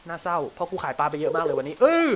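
A man with a Thai accent giving casual, crude gameplay commentary, chatting to himself and shouting at the game when it frustrates him. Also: a little high, very fast, a little hiss or hum. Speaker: gameplay streamer.

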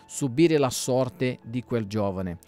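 A man's voice: medium pitch, expressive, slow, warm tone, faint music behind. A man reading a formal, deferential messenger. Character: foreign male runner bringing news, formal.

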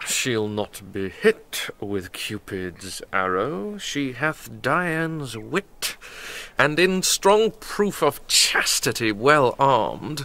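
A man's voice: mid-range voice, pushed and bright, exaggerated voice. An actor playing a lovesick, brooding young nobleman in a British-accented Shakespearean radio drama, speaking ornate verse with sighing, declamatory melancholy.

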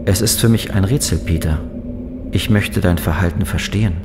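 An actor playing a polite, literal-minded ship's computer in a science fiction audio drama, formal and measured. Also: male voice, low voice, noisy background, natural voice. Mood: calm, inquiring.

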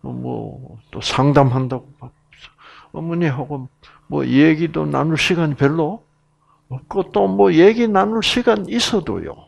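With a slightly high, gravelly and husky voice, a middle-aged man from Gyeongsang, Korea, talks a little slowly through a laid-back Bible lecture. He tells it like a story, chatty and full of fillers and tangents, in his regional accent.

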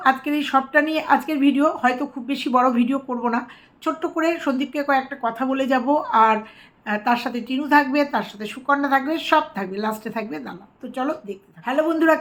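A woman vlogger talking casually to her viewers, repeating her points as she gives advice. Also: high-pitched.

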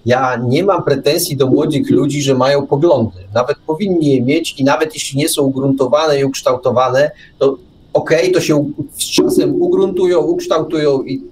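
A man's voice: on the high side, moderate pace, darkish tone, rough recording. An older man in casual radio discussion, arguing his points with irony. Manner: argumentative, ironic. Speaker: radio show speaker.

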